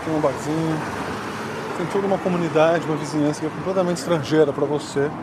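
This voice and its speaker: A man's voice: fairly high pitch, steady tone, fast. A Brazilian man chatting casually as he walks outdoors through city streets. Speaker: walking companion. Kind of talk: casual chat while walking. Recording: loud city traffic around him.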